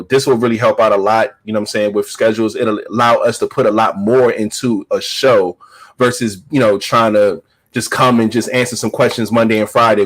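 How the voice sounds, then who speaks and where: A man's voice: lowish voice, low-quality recording. A man in his thirties hosting a podcast, talking in a loose, slangy way and laughing often. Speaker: podcast host. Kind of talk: casual podcast chat.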